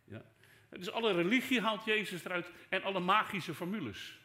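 An older man preaching a sermon as pastor, conversational, dropping to soft asides and rising for emphasis. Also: high voice, normal speed. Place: church hall. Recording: echoey church hall.

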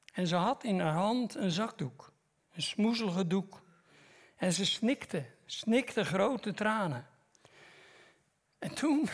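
A middle-aged man preaching in church, telling a parable slowly and dramatically, with long pauses. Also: high-pitched. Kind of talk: sermon storytelling.

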